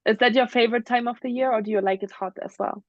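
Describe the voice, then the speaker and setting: A woman's voice: fairly high pitch, fairly even intonation, fast, dry recording. German-accented woman, dull dry call audio. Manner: open, earnest, frequent ums. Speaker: interview guest. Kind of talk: casual interview, personal story. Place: home in the mountains.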